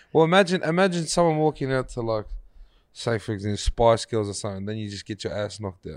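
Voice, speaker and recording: A man at a very fast pace, with very wide pitch swings and big shifts in loudness, on a very clean recording with a silent background. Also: medium pitch for a man. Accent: Australian. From Western Sydney, Australia. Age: 20s. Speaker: MMA fighter. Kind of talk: casual interview.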